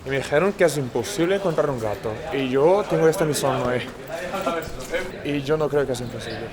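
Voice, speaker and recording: Out on the city streets, a travel vlogger from Brazil talks casually to the camera as host, his Brazilian accent reflecting his native Portuguese. He has a medium-pitched voice and a brisk delivery, while crowd noise from the busy street fills the background.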